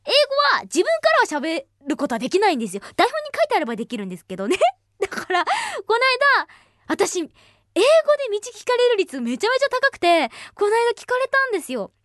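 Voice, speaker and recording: A woman's voice: very high-pitched, wildly swooping pitch, a little fast, fairly bright tone, no echo, studio quality. A woman hosting a casual radio show, reading listener letters aloud in a bubbly, chatty way and laughing often.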